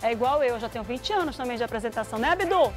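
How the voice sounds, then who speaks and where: A woman in her thirties hosts a live studio show at high pitch and a fast clip. She teases herself and her guests in a chatty, playful way. Music runs under her voice. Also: lively intonation. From born in Goiânia, raised in Amazonas. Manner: playful, chatty, self-mocking. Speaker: TV show host. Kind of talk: lively live TV chat. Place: bright TV studio set.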